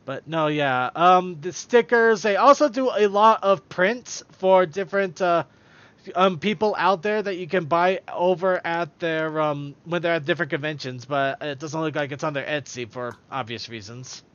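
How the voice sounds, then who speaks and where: A man's voice: a little high, moderate pace, a bit bright, lo-fi sound. A man hosting a podcast in casual chat, rambling and stumbling over his words as he goes. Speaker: podcast host.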